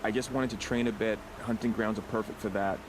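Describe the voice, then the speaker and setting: An actor voicing a self-deprecating young tribal outcast in a video game, speaking hesitantly and haltingly. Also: male voice, on the low side, steady tone, lightly acted. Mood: embarrassed, resigned. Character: dejected, self-deprecating outcast young tribesman, failed hunter. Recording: clear background ambience noise.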